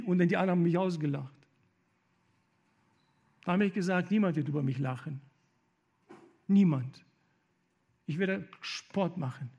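A man preaching a sermon and telling his own testimony, passionate, with loud emphatic appeals and halting, stammered restarts. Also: fairly high pitch, creaky.

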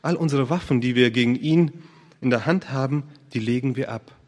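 A man preaching a sermon in an earnest, searching way, often pausing with fillers and restarting his sentences. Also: mid-range voice, long reverb tail.

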